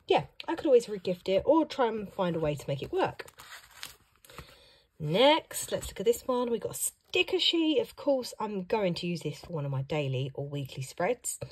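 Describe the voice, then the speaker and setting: A woman who teaches young children, chatting upbeat through an unboxing vlog while hoarse and losing her voice. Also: medium pitch. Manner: chatty and upbeat, reacting to each item. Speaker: primary school teacher and vlogger. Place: at home.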